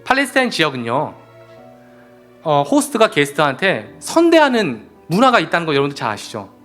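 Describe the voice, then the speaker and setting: A man preaching a sermon as pastor, animated and repeatedly appealing to his congregation. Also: fairly high pitch, a little fast, faint music behind. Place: church sanctuary.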